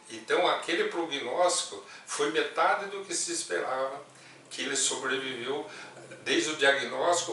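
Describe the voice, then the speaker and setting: A man telling a story as a Spiritist speaker, earnest and gentle, slowing down on key words. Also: a little high, a little hiss or hum. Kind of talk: reflective storytelling talk. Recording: echoey room, voice from a distance.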